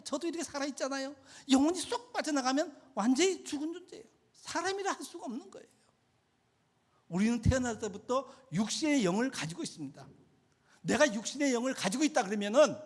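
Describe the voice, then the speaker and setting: Animated male preacher telling a story. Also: very high-pitched, husky. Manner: storytelling preacher acting out quoted voices. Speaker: pastor. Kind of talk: sermon. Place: church sanctuary.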